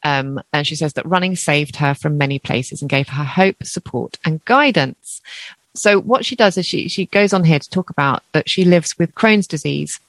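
A woman's voice: low-pitched, moderate pace, dry recording. A woman co-hosting a podcast in casual chat, reading out a listener email and laughing often. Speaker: podcast co-host.

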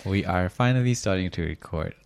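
A man with a slightly raspy voice hosting a podcast as a casual, slangy, sweary chat. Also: low voice, a little fast. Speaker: podcast host. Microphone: podcast microphone.

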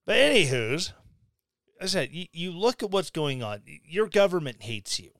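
A man's voice: on the high side, big pitch swings, moderate pace, a bit bright, dry recording, studio quality. A man from Missouri hosting a podcast, delivering a blunt opinionated rant with sarcastic asides. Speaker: podcast host. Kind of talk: opinionated monologue.

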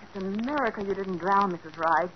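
A friendly young woman, played by an actress in a 1940s radio drama, speaking in a gentle, solicitous way. The old broadcast sounds muffled, with a faint hiss. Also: medium pitch, fairly quick, close to an everyday voice.

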